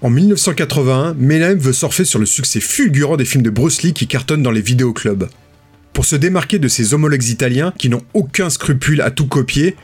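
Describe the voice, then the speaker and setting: A man reading a scripted documentary narration in a measured, storytelling way. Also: mid-range voice, husky.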